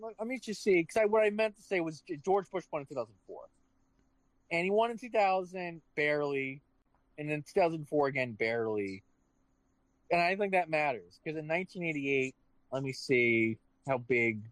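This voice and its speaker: A man's voice: fairly high pitch, lively intonation, moderate pace, no echo, low-quality recording. A man co-hosting a casual chat show, rambling and swearing, often restarting his sentences. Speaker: podcast co-host.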